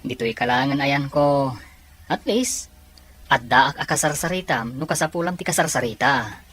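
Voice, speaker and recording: A woman voicing a supportive, inquisitive young male buddy with a husky voice in an amateur audio drama. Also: a bass voice, normal speed, a bit bright, a little hiss or hum. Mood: concerned, accepting.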